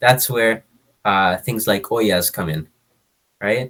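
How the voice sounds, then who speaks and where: At a moderate pace, a man speaks at a medium pitch with ordinary pitch variation. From Canada (Saskatoon), moved from Ethiopia at age four. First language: Afan Oromo. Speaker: youth community member, language teacher assistant. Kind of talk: casual interview. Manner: hesitant, many fillers.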